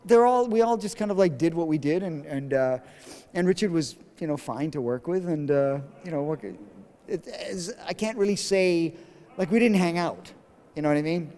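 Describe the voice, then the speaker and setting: A man being interviewed as an actor guest, chatting casually with a rambling, halting and joking manner. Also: on the high side, dark tone, big-room sound.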